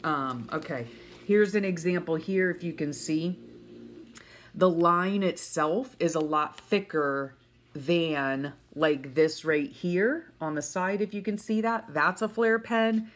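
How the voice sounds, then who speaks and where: Slow, low-pitched woman with a congested voice. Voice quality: congested, sniffly. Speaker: vlogger showing stationery. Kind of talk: casual rambling chat. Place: at home.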